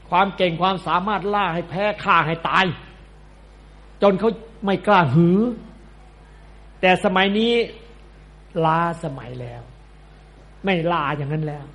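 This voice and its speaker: Monk guy giving a talk, pretty high voice, blunt and scolding, real casual wording. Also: a bit bright. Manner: blunt, colloquial, scolding preaching. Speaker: Buddhist monk. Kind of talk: sermon.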